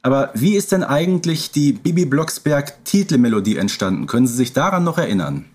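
A man's voice: mid-range voice, big pitch swings, a little fast, a little mellow. A man co-hosting an interview podcast, putting prepared questions to a guest.

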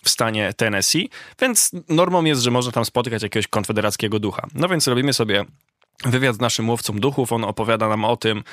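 A man of medium pitch recounts a reporting trip as an interview guest. He talks in a lively, casual way with many fillers. The recording is dry and close, with almost no room sound. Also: a little fast, dry recording.

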